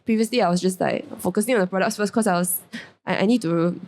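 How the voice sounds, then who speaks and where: A woman's voice: medium pitch, fast talker, darkish tone. A woman with a Singaporean accent, speaking as a guest on a business panel, chatty, with frequent restarts and self-corrections. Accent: Singaporean English. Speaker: guest, character brand founder. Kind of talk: panel discussion.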